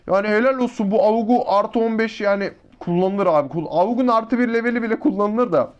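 A man with a high-pitched voice gives running live commentary over a mobile shooter match. He is excitable and slangy and keeps talking both to his teammates and to the people watching. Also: a little fast, highs cut off. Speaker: mobile shooter gameplay YouTuber.

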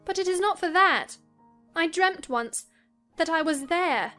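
A woman playing a willful, troubled young gentlewoman in a dramatized audiobook, earnest and dramatic. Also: extremely high pitch, lively intonation, unhurried, voice pushed up, heavily acted. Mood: wistful, insistent. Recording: music under the voice.

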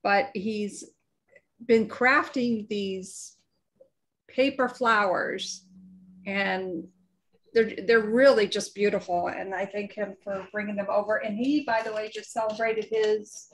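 Middle-aged woman, slow easy pace, casual podcast chat, webcam mic at home. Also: mid-range voice, steady tone, poor audio. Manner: unhurried, with fillers and small coughs. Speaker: podcast co-host. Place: home office, video call.

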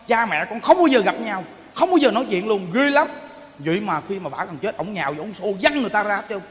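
A man with a Southern Vietnamese accent preaching a Buddhist sermon, telling stories with animation and acting out the voices of the people in them. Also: very high voice. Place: temple hall. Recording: echoey hall reverb.

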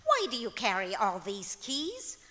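A woman's voice: a little high, huge pitch swings, unhurried, sharp tone, heavily acted. A woman playing a wry, exasperated, bossy wife in an old-time radio comedy. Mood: nagging. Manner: wry, scolding. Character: exasperated, teasing wife, bossy but fond. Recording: echoey auditorium stage.

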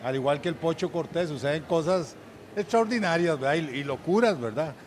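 A man's voice: on the high side, fairly quick, a little hiss or hum. A middle-aged Costa Rican man telling anecdotes in casual chat, acting out the voices of the people in his stories. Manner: animated, acts out quoted voices loudly. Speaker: guest storyteller.

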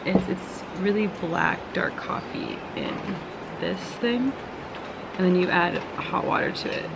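Young woman, travel vlogger, playful, gravelly voice, jungle noise behind her. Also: on the low side, a little slow. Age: young adult. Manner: chatty, playful, self-mocking. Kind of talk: casual travel vlog. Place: outdoors in a rainforest. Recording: noisy outdoor jungle recording. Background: insects and jungle ambience.

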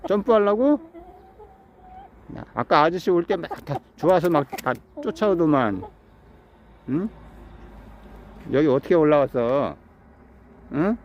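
A man's voice: fairly high pitch, lively intonation, a little slow, pauses often, lo-fi sound, a little hiss or hum. A man on a rooftop in the early morning, chatting to his pet chicken in a coaxing, teasing way, like he would talk to a child. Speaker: pension owner talking to his pet chicken.

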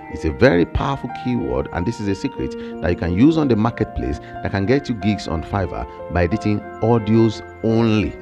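A man with a Nigerian accent and a fairly low voice talks up online side gigs, his pitch leaping around as he presses each point. He is in his thirties, close on a studio mic, with faint music under him. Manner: animated, emphatic, gestures with hands. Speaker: online income creator. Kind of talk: energetic explainer vlog. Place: small home studio with shelves and plants, indoors. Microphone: large studio mic on a boom, close.

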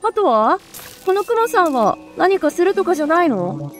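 An excitable woman chatting through a video game with a very high, bouncy voice that jumps all over. She talks in quick bursts and exclamations. Soft game music plays under her. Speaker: let's play streamer. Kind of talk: live gameplay commentary.

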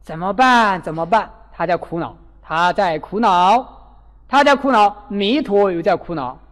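A man with a notably high voice delivers a Buddhist sermon in an animated storytelling manner, acting out the people in his tales. His voice carries a long reverb, as if he is speaking in a large hall. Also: unhurried. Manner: animated, acts out quoted characters. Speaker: Buddhist dharma teacher.

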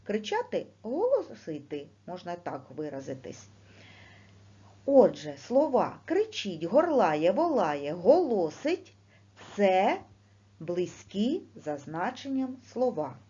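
A woman teaching a primary school lesson, speaking slowly and clearly with questions to the class. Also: mid-range voice. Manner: slow, clear teacher's delivery with lively rising questions. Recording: dull lo-fi recording.

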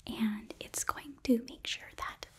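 A young woman playing an eager, apologetic demon princess who runs a hotel, gently whispering in an ASMR roleplay with a hesitant manner. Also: fairly high pitch, fairly even intonation, takes it slowly, husky, heavily acted. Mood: gentle, reassuring. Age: young adult. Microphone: close microphone, seated before camera.

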